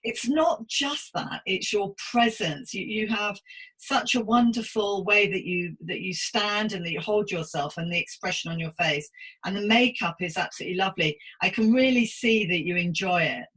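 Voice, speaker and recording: Bright-voiced woman hosting a supportive interview. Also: medium pitch, moderate pace, breathy edge, rough recording. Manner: effusive, gently encouraging. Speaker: podcast host and psychotherapist.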